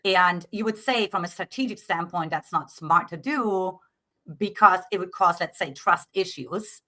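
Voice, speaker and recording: A woman's voice: fairly low pitch, a little slow, sharp tone. A middle-aged woman with a German accent, a dating coach explaining her ideas earnestly in an interview and often checking in with "right?". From Eastern Germany.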